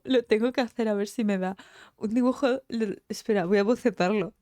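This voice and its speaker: Her voice is medium-pitched and dark, recorded at studio quality with no room sound. A game streamer with a Spain Spanish accent, she chats casually on stream, still teary from crying, rambling emotionally and cursing freely.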